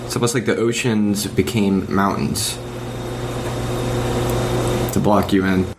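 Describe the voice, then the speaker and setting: A man's voice: low voice, fairly even intonation, slow, heavy background noise. A man speaking as a panelist in a casual podcast discussion about retro games, recorded over voice chat.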